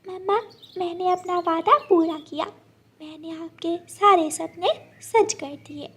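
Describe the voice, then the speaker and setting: Woman doing an eager high-voiced young girl bird. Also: steady tone, unhurried, fairly bright tone. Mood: earnest.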